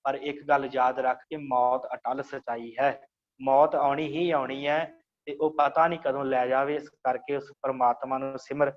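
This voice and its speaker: A man teaching an online scripture class, explaining slowly and repeating phrases to guide pronunciation. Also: medium pitch, little pitch movement, dull audio.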